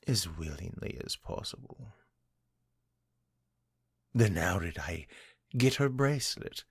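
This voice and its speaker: An actor playing a cruel, centuries-old vampire lord who taunts his captive, speaking in a husky, condescending way. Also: lowish voice, dry recording, clean studio sound, exaggerated voice. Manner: taunting, condescending, slow and deliberate. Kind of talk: audio drama, one-sided dialogue.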